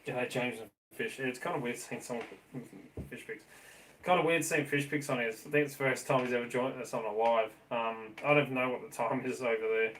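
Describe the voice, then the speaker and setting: A man's voice: medium pitch, fairly even intonation, fairly quick, a bit bright, slight background noise, rough recording. Laid-back Australian man chatting on a livestream. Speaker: livestream host. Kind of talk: casual live-stream chat. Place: small bedroom indoors.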